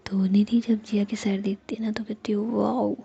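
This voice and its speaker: A woman narrating a story in a soft, conversational whisper. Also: mid-range voice, little pitch movement, brisk, breathy edge. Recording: dull lo-fi with faint hiss.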